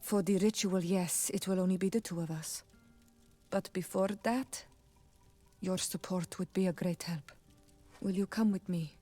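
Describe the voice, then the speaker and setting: Game role: young tribal healer woman, lowish voice, solemn and devoted, speaks carefully. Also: fairly even intonation, a little slow, pauses often, mellow, long reverb tail, faint music behind. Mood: hopeful request. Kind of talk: video game voice acting.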